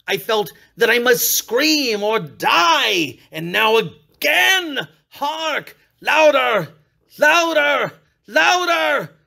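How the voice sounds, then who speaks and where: A man performing a dramatic storybook reading as an unhinged murderer, theatrical, sliding from hushed purring to shrieks. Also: very high-pitched, creaky, full character voice. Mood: frantic, unraveling. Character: unhinged male murderer, gloating and paranoid, classic villain. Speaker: reader.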